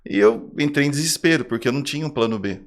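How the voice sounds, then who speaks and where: A man's voice: a little high, expressive, quick pace, gravelly. A middle-aged man, a swimming school manager, telling a heartfelt story in a casual interview and repeating phrases for emphasis.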